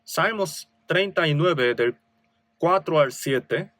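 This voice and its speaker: Preaching man, lively pitch, Korean accent. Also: slow, no echo. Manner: preaching with rising emphasis on scripture readings; rhetorical tag questions. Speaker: pastor. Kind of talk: sermon.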